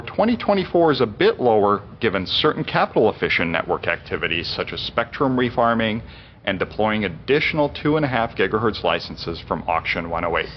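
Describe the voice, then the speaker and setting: A man's voice: lowish voice, dull audio, a little hiss or hum. A man reading a scripted financial presentation as a company executive on an earnings call.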